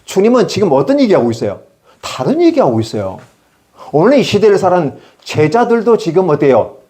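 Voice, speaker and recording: Middle-aged guy preaching, voice jumps all over, fairly high, keeps asking the crowd questions. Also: fairly quick. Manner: lively storytelling, asks the congregation questions. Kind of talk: sermon. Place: prayer retreat hall.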